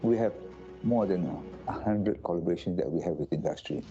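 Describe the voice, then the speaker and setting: A man speaking as a university leader in a promotional interview, deliberate with pauses. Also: sits low, mellow. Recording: dull lo-fi audio with music bed. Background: background music.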